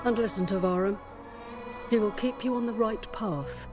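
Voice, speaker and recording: A woman playing a composed, proud and stern warrior mentor in a video game, speaking in a measured, solemn way. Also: medium pitch, close to an everyday voice. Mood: proud, firm. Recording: music behind the voice.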